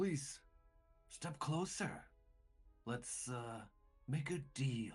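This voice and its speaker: A put-on character voice at a low-to-middle pitch, very slow with long, frequent pauses, over faint music in the background. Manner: inviting a deal, menacing.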